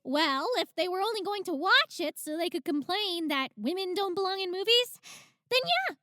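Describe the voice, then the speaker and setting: A woman voicing a brash superhero Mew who lives for a fight and bristles at any jab. Her voice sits very high and swings with lively energy, and the sass stays constant. It is recorded dry and close. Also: no echo, heavily acted. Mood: defensive. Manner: sassy, quick to bristle. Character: brash, battle-loving female Mew superhero. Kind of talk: fan comedy audio skit.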